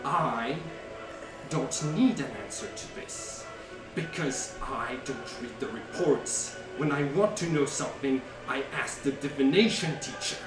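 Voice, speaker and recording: A man's voice: mid-range voice, a little slow, lightly acted. A man voicing an angry white dragon lord who speaks with imperious, theatrical contempt in a tabletop game. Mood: dismissive. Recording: roomy, distant mic, music underneath.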